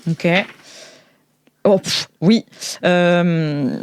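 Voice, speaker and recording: A woman's voice: fairly low pitch, extremely slow, darkish tone, a little hiss or hum. A woman acting as game master, narrating an improvised tabletop game in an informal, theatrical way.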